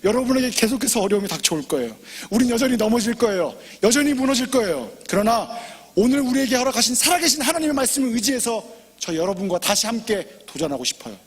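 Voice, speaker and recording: A man preaching a sermon as pastor, impassioned and personal, swinging from loud pleading to hushed near-whispers. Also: extremely high pitch, very animated, fast, slightly rough, big-room sound. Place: church sanctuary.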